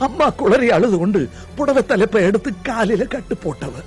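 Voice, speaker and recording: A jittery, timid film patient with a Sri Lankan Tamil accent, his voice sitting high as he rattles off rhyming lists of everything that scares him. Faint music runs underneath. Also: lively intonation. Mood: sorrowful telling. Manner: rapid rhyming list-like recitation, nervous. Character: timid middle-aged man afraid of everything. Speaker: patient describing his fears to a doctor. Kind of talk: film comedy acting.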